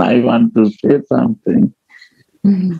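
A man with very wide pitch swings over a quiet background. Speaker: spiritual teacher. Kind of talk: spiritual talk. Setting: video call. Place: home room.

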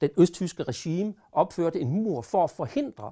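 Against a quiet background, a man talks at a fairly slow pace in a high pitch with lively intonation. His tone is dark and mellow. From Denmark, Silkeborg (central Jutland); Denmark. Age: 50s. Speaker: history lecturer. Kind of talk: lecture. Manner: halting, many filler sounds. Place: studio. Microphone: lapel.

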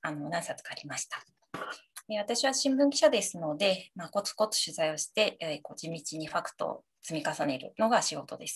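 Moderate-paced speech from a woman, somewhat breathy in tone. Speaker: newspaper reporter, event host. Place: home room. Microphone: video call.

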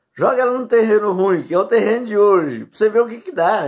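Against a quiet background, a man with a Brazilian accent talks at a fairly quick pace in an animated tone. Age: 60s. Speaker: vlogger. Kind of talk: casual monologue. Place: home room. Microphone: phone near.

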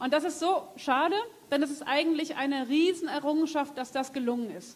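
Her voice is high in pitch with ordinary variation, and the woman keeps a moderate pace. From Hesse, Marburg. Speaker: state politician. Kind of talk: panel debate. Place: hall.

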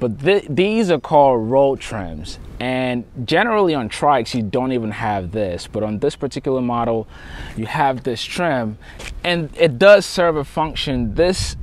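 Here a man speaks at a fairly slow pace, his pitch swinging very widely. The sound is dry, with no echo. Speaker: video host reviewing aircraft. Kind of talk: walkaround product tour commentary. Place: open country. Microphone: phone near.

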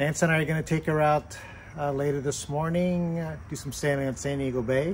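A man keeps a moderate pace while light background noise plays underneath. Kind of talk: casual vlog chat. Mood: relaxed, content. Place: garden. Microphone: camera far.

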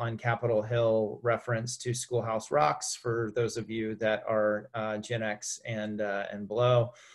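Over a quiet background, a man speaks somewhat breathily at a fairly slow pace. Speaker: ad tech consultant. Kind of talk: webinar presentation. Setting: video call.

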